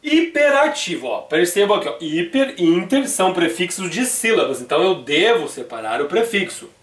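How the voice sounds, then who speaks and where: A man's voice: high-pitched, big pitch swings, fairly quick, a bit bright, reverberant, recorded from a distance. A Brazilian Portuguese-speaking man teaching a video grammar lesson, explaining rules step by step in a chatty way and often checking in with his students.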